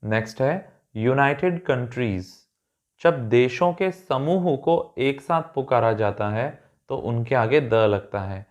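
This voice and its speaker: A man's voice: mid-range voice, highs cut off. A man teaching English grammar in Hindi with an Indian English accent, patiently repeating points and checking that learners follow.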